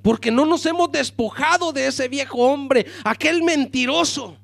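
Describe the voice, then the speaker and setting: A male pastor preaching a sermon with passion, calling the congregation brothers and swinging from loud to hushed. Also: extremely high pitch, unhurried, creaky.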